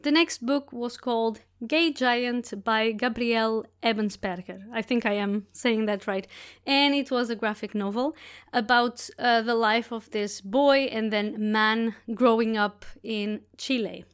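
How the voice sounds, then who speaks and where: Chatty woman with a smooth, higher voice. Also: a little slow. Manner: chatty, rambling, self-correcting. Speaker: podcast host. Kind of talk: casual monologue book review.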